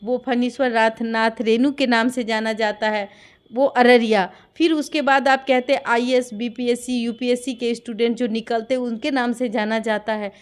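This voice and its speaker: A woman's voice: on the high side, fairly even intonation, normal speed, clear, resonant tone. A woman with a Bihari accent giving impassioned interview testimony, insistent and full of rhetorical questions. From Bihar, India. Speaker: interviewee giving her account of a dispute.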